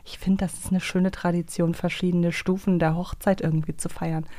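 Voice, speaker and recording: A woman's voice: fairly low pitch, level tone, normal speed, mellow, no echo. A woman co-hosting a casual fan podcast, conversational and ready with her own opinions. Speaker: podcast co-host.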